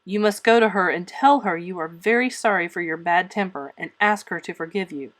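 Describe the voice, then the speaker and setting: A woman's voice: on the low side, fairly quick, fairly bright tone, natural voice. This is an elderly spinster guardian voiced by a woman from a storybook. She is stern and dry. She scolds firmly, in clipped phrases that allow no argument. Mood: severe.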